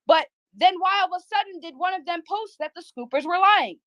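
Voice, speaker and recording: A high, bright-voiced woman talks bluntly over a remote call, cursing often and tripping over her own restarts. The sound is dry and close, with no room around her. She comes across as a YouTube drama creator speaking her mind. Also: no echo. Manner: blunt, swears freely, quick restarts. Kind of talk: casual heated chat.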